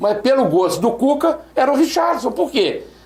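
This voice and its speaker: Noticeable background noise behind a man's voice, moderate in pace, with very wide pitch swings. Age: 60s. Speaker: sports pundit. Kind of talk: sports talk show commentary. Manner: animated, opinionated.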